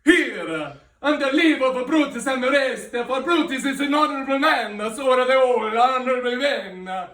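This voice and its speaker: Super high emotional foreign speechmaker, hammy shakespeare, stumbly phrasing, far from the mic. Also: male voice, animated, fairly bright tone. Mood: emotional, indignant. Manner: halting, melodramatic, broken phrasing. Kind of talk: comic Shakespeare monologue in a put-on accent. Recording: roomy sound, far from microphone.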